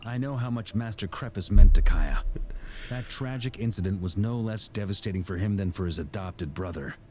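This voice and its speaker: An actor voicing a genial, steadfast grandmaster of fantasy knights, easygoing and assured, in scripted game dialogue. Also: male voice, fairly low pitch, moderate pace, dark tone, slight background noise, lightly acted. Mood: earnest, firm. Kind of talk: scripted game character voice lines. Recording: background music under the voice.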